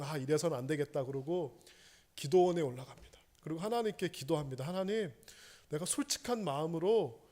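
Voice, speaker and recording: Male pastor with a high voice, preaching a storytelling sermon with loud peaks and hushed lows. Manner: storytelling, swinging between raised emotional peaks and hushed lows. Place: church sanctuary.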